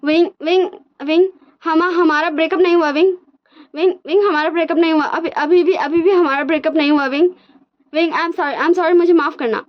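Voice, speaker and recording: A woman's voice: extremely high pitch, fairly even intonation, brisk, few pauses, pitched above the performer's own voice. Woman doing a frantic stammering young professor. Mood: frantic pleading. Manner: stammering, repeating words. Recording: dull lo-fi recording.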